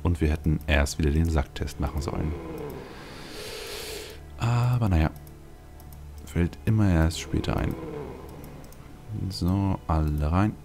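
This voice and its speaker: A man with a very deep voice full of vocal fry talks through a video game. He rambles casually, thinking aloud as he plays. Game music runs clearly behind him. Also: takes it slowly, pauses often. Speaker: let's play host. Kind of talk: casual gameplay commentary.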